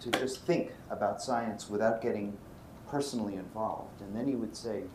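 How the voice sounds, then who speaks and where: An older man from Brooklyn giving a university physics lecture, animated and often checking in with his students. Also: on the low side, moderate pace. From Brooklyn, New York. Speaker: physics professor. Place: lecture hall. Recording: roomy lecture hall, faint noise.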